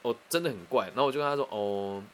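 A man with a Taiwanese Mandarin accent telling a personal story in a chatty, animated way, often restarting and adding asides. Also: medium pitch, fast, a little hiss or hum.

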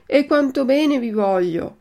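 High, eager, exclaiming puppet boy, storybook reading, put on by a woman. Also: lively intonation, unhurried, creaky, mellow, exaggerated voice. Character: excitable wooden puppet boy, impulsive.

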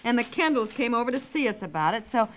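High-voiced, flustered 1950s radio housewife, played by an actress. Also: female voice, lively intonation, quick pace, natural voice, low-quality recording. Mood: chatty. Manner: fretful, exasperated, talkative. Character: flustered, chatty housewife and mother preparing a bridge luncheon. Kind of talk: 1950s radio comedy acting. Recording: hissy old 1950s radio recording.

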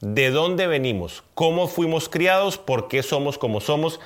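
A man's voice: on the high side, lively intonation, measured pace. A man from Colombia, co-hosting a podcast in casual chat with his wife, earnest and conversational. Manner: earnest, conversational, with filler hesitations. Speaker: podcast co-host.

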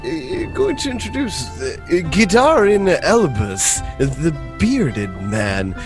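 Man, game master, gravelly, lively pitch, rambling narration, fillers, faint music behind. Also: slow pace. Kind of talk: narrating a tabletop role-playing game.

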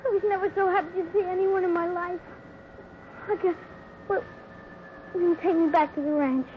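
High-voiced, frightened cowboy boy. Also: fairly even intonation, moderate pace. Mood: relieved, contrite. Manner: breathless, gee-whiz exclamations. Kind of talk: 1950s radio adventure acting. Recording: tinny, faintly noisy 1950s radio recording.

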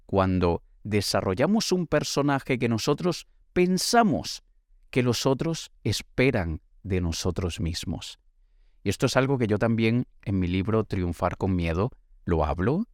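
A man's voice: lowish voice, a little mellow, dry recording, clean studio sound. A man, giving a motivational podcast monologue in a projected, emphatic voice into a microphone. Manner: projected, emphatic announcer-style delivery. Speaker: podcast host and author. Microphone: studio microphone.

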